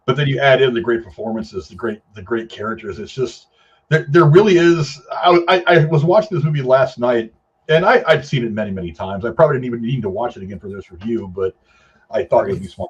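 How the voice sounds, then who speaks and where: A man's voice: mid-range voice, fairly quick, breathy edge, highs cut off. A man hosting a film review show, chatting casually and gushing with emphatic repetition.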